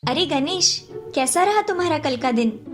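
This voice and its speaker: Lady doing a high bubbly cartoon girl, reassuring her pal, music under. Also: lively intonation, measured pace. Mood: encouraging. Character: kind, confident girl who reassures her friend.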